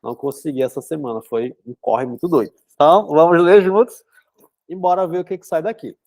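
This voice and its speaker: A young man from the northeast hosts a live book club, talking casually and dotting his sentences with "né?". His nose is congested from a cold, and his voice is mellow and sits a little high for a man. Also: fairly quick, dry recording. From São Luís, Brazil. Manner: chatty, filler-heavy, frequent "né?". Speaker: psychotherapist hosting a book club. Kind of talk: casual live-stream talk and reading aloud.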